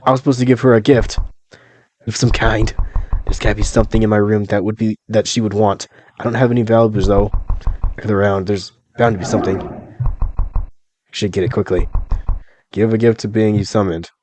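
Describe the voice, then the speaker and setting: A man's voice: fairly low pitch, steady tone, a little fast, pauses often, darkish tone. Wry man reading a horror game aloud. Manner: wry, jokey asides and swearing. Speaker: gaming channel host. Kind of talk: reading game text aloud while playing.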